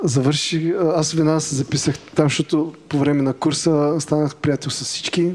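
There is noticeable background noise as a man with a fairly high pitch speaks at a moderate pace in monotone, flat intonation. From Bulgaria, Varna. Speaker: pizza chef and restaurateur. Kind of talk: casual interview.

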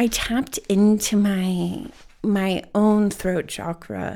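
Her voice is of medium pitch with a dark, mellow tone and ordinary pitch variation as the woman speaks at a very slow pace. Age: 30s. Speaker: podcast host. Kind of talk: solo podcast monologue. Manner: confessional, candid.

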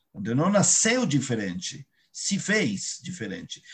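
The man's speech swings very widely in pitch, in an Argentine accent. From Argentina. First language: Spanish (speaking Portuguese). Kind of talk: podcast discussion.

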